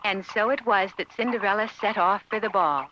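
A woman narrating a children's fairy tale from a script in an expressive, measured storybook manner. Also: mid-range voice, slight background noise. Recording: dull lo-fi audio, music behind.

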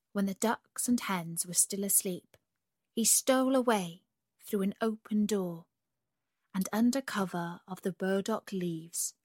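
A woman reading a fairy tale aloud as storyteller, in an unhurried, soft and even manner. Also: mid-range voice, no room sound.

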